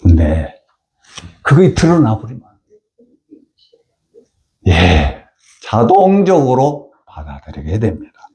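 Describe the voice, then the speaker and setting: A man preaching a sermon as pastor, animated and acting out the voices of characters in the story. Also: fairly low pitch, slow, pauses often. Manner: animated, acts out characters' lines in a raised voice.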